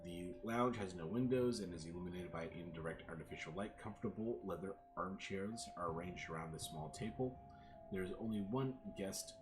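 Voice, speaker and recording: Deep-voiced man streaming a game. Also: fairly quick. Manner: reads game dialogue aloud between casual asides to viewers. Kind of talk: let's play, reading game text aloud. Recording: game music in the background.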